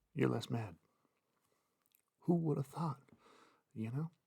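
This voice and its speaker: Whispering and soft-spoken, a man talks in a relaxed tone with vocal fry. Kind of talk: ASMR sleep talk, casual rambling about self-care. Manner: soft-spoken, whispered, relaxed.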